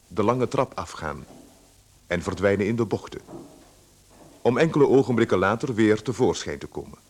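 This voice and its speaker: A man with a husky voice reading calm, detached literary narration for a radio play. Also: fairly low pitch. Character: calm, detached male storyteller.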